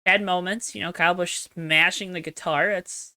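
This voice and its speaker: A woman's voice: lowish voice, steady tone, normal speed, bright, forceful tone, dry recording. A young adult woman co-hosting a podcast, chatting casually in a chatty, self-deprecating, joking way. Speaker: podcast co-host. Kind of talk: casual chat.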